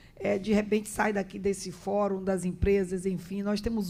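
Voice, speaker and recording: Here a woman speaks at medium pitch, somewhat breathy. Her pace is fairly slow. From Bahia, Brazil. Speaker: state legislator. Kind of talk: formal closing speech at a meeting. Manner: halting with self-corrections.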